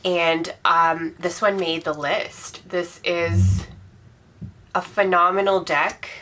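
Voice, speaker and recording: Brief: woman host in her 30s, congested from a cold, low and bright voice, chatty, lots of ums. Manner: chatty and enthusiastic, with frequent ums. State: congested from a cold, slightly sore throat. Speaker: tarot channel host. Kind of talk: casual monthly wrap-up vlog.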